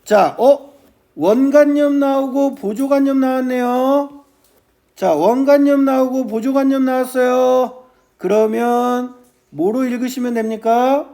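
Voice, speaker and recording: A male teacher giving a classroom lecture on classical poetry, often checking with his students and reciting verse slowly. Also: very high-pitched, steady tone, mellow. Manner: keeps starting with "ja", asks students quick checking questions.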